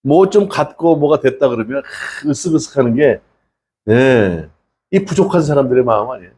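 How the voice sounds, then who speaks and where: Here the pastor's mid-range voice sounds expressive, darkish, and slightly rough, moving at a moderate pace. In a conversational sermon he poses many rhetorical questions to the congregation and plays the quoted people in his stories in a casual spoken way.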